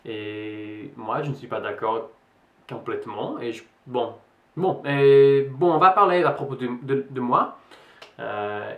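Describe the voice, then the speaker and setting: A young English man talks to camera in French, his English accent shading a little American. He hesitates often, circling back with fillers and restarts, and his voice sits at an ordinary pitch in a noticeably echoey room. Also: takes it slowly, narrow, tinny audio. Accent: English speaker in French, slightly American-tinged. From England. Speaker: vlogger. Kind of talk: casual vlog talk to camera. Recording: roomy echo.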